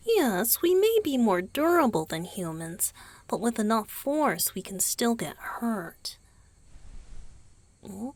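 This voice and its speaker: A woman voicing a gentle, teasing male vampire boyfriend in an intimate ASMR roleplay, speaking softly and patiently, often dropping toward a whisper, close to the microphone. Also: medium pitch, no echo. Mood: amused, assured. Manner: soft, often whispered, patient explaining with small chuckles. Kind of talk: ASMR roleplay, intimate one-sided dialogue to the listener. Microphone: close, dry microphone.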